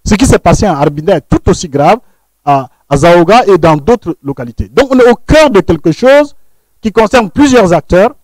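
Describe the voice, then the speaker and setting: High-voiced man, emphatic lecturer. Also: animated, normal speed, darkish tone, dry recording, low-quality recording. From Burkina Faso. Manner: emphatic, lecturing, with frequent word repeats and phrase ends that drop low. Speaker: panelist, researcher. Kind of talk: analytical panel talk.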